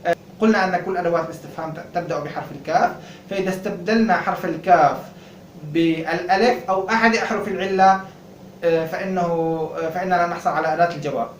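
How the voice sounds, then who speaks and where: Guy teaching a language class, drilling words over and over, mic kinda far off. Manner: repeats words slowly, raising pitch on the drilled words. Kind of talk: language lesson, drilling word pairs. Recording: roomy, distant mic, faint noise.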